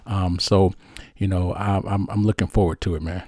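Male host, low voice, upbeat casual chat, dry close sound. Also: steady tone, normal speed, darkish tone, no echo. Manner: upbeat, many restarts and fillers. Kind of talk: casual show chat, reading viewer questions.

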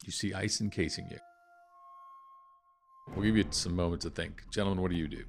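Middle-aged male GM, very deep with some gravel, improvising a tabletop story over faint music. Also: fairly even intonation, fairly quick. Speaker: narrator and game master. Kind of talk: improvised tabletop game narration.

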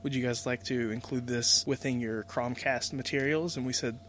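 A man's voice: mid-range voice, steady tone, normal speed, a loud crowd. A man co-hosting a podcast, giving a casual, conversational introduction. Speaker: podcast co-host. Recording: faint noise and hum.

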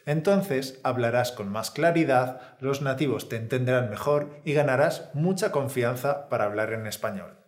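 A man of middle pitch explains a lesson calmly, in a scripted podcast manner. The recording has a roomy echo around his voice. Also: normal speed, hardly any pauses. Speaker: Spanish teacher.

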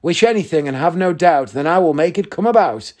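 A man voicing a brisk, generous fairy godmother in a verse storybook. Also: fairly high pitch, animated, a little mellow. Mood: brisk, kindly.

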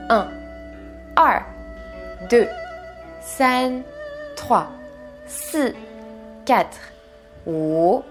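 Upbeat woman teaching a language lesson. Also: medium pitch. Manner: upbeat, clearly modeling each word slowly.

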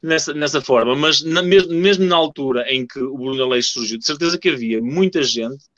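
A man with a European Portuguese accent chatting casually, halting and repeating words with many fillers. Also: a little high, a bit bright, no room sound, highs cut off. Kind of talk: casual podcast chat.

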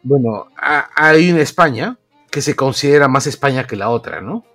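A man's voice: medium pitch, animated, moderate pace, fairly bright tone, faint music behind. A man, a podcast co-host explaining at length in casual chat with lots of fillers. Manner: rambling, explanatory, many fillers.

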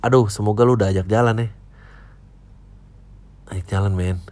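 A man hosts a casual podcast, giving blunt, offhand answers to listener mail. His voice sits low and sounds mellow and dark. He is in his thirties. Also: steady tone, moderate pace. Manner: blunt, offhand, slangy replies.

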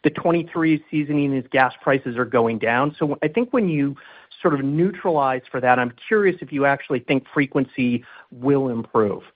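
A man with a medium-pitched voice comes through a thin phone connection. He is a financial analyst on an earnings call, setting out his points and questions to management. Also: normal speed. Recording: thin, narrow phone line.

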